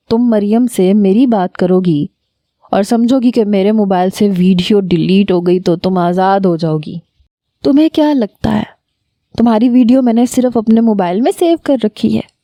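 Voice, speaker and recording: A woman voicing a menacing young man who makes slow, gloating threats over the phone in a story. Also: medium pitch, mellow, no room sound, clean studio sound, close to an everyday voice.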